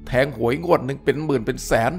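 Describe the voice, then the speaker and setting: A man's voice: mid-range voice, steady tone, fast, vocal fry, soft background music, close to an everyday voice. A man voicing a blunt, sardonic sergeant who needles others dryly. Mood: needling.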